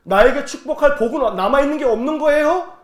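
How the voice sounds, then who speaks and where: A man's voice: very high-pitched, a little fast, roomy sound, pitched above the performer's own voice. A man voicing a wronged grown son who pleads tearfully with his father. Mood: pleading. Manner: pleading, plaintive.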